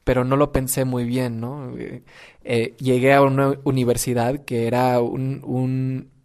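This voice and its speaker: A man's voice: mid-range voice, level tone, a little slow, a little mellow, clean tone. A young man, a community organizer, telling his story with many restarts and fillers. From United States. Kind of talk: personal storytelling.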